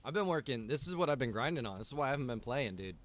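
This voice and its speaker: A man's voice: mid-range voice, animated, racing, a bit bright. A man livestreaming a game, chatting casually and playfully with viewers in slangy talk. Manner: playful, slangy, addresses viewers as bro and dude. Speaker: live streamer. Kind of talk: casual livestream chat while gaming. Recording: music behind the voice. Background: music.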